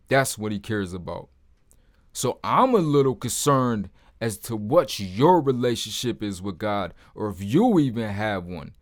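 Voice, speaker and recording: A man with a deep voice, hosting his own Christian channel, speaks to the camera in a blunt, informal way and often drops in "man.". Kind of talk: casual testimony to camera.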